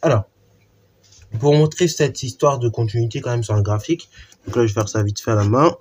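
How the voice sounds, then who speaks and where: A man's voice: medium pitch, brisk, a little mellow. A man teaching a math lesson in an informal way, with many fillers and restarts while he explains a theorem.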